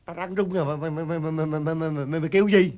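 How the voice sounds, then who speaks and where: A man's voice: fairly high pitch, big pitch swings, moderate pace, breathy edge. An actor with a Southern Vietnamese accent playing a timid husband terrified of his wife, stammering and panicky. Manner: panicky, stammering, fearful exclamations.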